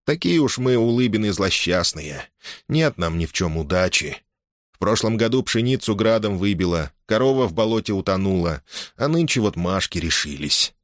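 A man's voice: on the low side, expressive, moderate pace, dry recording, clean studio sound, close to an everyday voice. A man voicing a young peasant who ruefully laments his family's bad luck.

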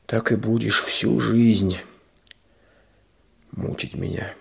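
Lovelorn rural man, low gravelly rasp, weary, stubborn, radio drama. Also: fairly even intonation, slow, exaggerated voice. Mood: pleading, yearning. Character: restless, lovesick village man, weary and stubborn.

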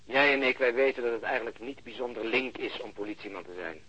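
Dull telephone sound, sardonic male policeman, rough-edged, forceful, talkative, radio drama. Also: mid-range voice, fast talker. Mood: sardonic, cynical. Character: cynical, blunt, world-weary male policeman on the phone. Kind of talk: Dutch radio drama acting. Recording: muffled band-limited phone line.

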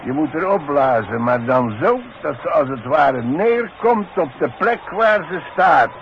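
An older man acting in a 1960s radio drama as a cagey, proud old demolition worker, hesitant and deliberate in his talk. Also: a little high, animated. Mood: deliberate, confident. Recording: muffled old radio recording with faint noise.

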